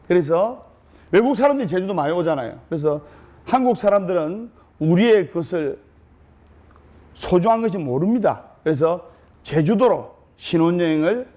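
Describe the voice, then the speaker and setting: A Buddhist monk giving a humorous dharma talk, telling a story and asking the audience questions. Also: male voice, sits high, lively intonation, moderate pace, mellow.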